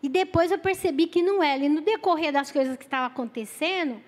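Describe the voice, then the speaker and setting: High-voiced Brazilian woman preaching. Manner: halting, repeats words, calls listeners brothers. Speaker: lay preacher. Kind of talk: sermon with personal storytelling. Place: church hall. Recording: echoey church hall.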